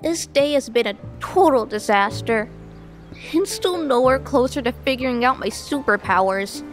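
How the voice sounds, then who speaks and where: A woman voicing an eager, naive young male superhero dog in a cartoon, earnest, excitable and hapless. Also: high-pitched, moderate pace, faint music behind, close to an everyday voice. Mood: dejected. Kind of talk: cartoon voice acting.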